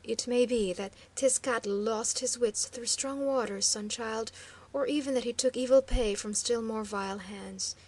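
A woman voicing a proud male master of guards who speaks in a cold, stern, measured way. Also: fairly high pitch, a little mellow.

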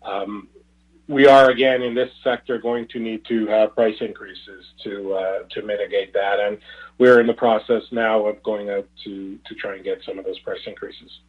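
Halting male executive on a tinny phone line. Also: lowish voice, fairly even intonation, breathy edge. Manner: halting, hesitant, repeats words. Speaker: company executive. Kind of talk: earnings call commentary. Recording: tinny narrow phone-line conference call.

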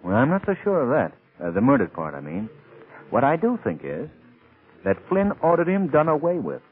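An actor playing a suave, wry gentleman sleuth in an old-time radio drama, urbane and drily ironic, on a tinny old recording. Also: medium pitch, huge pitch swings, moderate pace, slightly rough, full character voice. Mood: wry, scheming.

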